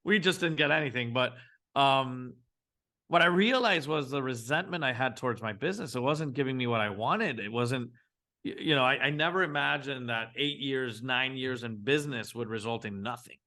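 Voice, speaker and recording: A man, telling his business story as a guest in a casual interview, animated and often restarting his sentences. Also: medium pitch, normal speed. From Venezuela. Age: 40s. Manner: animated, frequent restarts, acts out his own thoughts. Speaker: guest entrepreneur.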